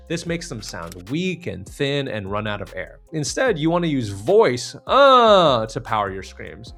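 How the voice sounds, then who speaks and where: A man's voice: medium pitch, big pitch swings, moderate pace, faint music behind. A man working as a vocal coach, giving step-by-step tutorial instruction and speaking directly to the viewer. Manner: demonstrates exercises step by step, direct address.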